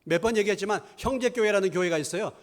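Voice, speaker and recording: A middle-aged man preaches in a church, his voice sitting a little high for a man. He keeps asking rhetorical questions. He drops into near-whispered asides, then rises to loud, emphatic lines. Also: very fast. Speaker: pastor. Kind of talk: sermon. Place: church sanctuary.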